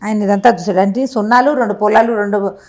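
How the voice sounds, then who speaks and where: A woman telling a folk moral tale in an animated, chatty, conversational way, with asides to her listener. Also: medium pitch, fast. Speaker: storyteller. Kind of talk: spontaneous conversational storytelling of a folk moral tale, acting out dialogue.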